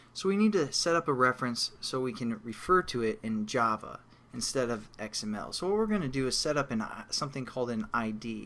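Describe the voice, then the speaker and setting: Fairly quick in pace, a man speaks with very wide pitch swings and a bright, sharp tone. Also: medium pitch for a man. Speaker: programming tutorial instructor. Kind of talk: screen-recorded coding tutorial. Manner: fast; casual, with fillers.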